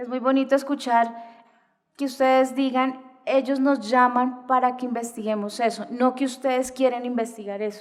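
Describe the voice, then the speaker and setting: A woman's high-pitched voice at a moderate pace, with monotone, flat intonation. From Colombian Amazon, La Chorrera. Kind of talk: panel commentary at a lecture. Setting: lecture hall with audience. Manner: hesitant, with fillers.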